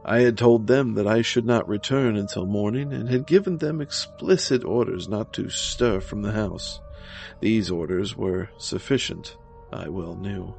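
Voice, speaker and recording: Slow, deep, gravelly male narrator. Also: darkish tone. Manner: dramatic, measured. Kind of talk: scripted gothic horror narration. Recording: music behind the voice.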